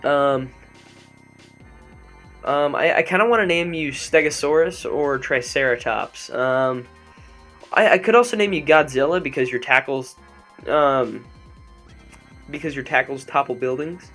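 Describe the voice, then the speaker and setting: Gameplay commentary from a young male let's-play host whose fairly bright, higher-leaning voice moves at a measured pace with frequent pauses. He chats and jokes over the game, um-ing often, into a desk mic, as faint music plays behind him.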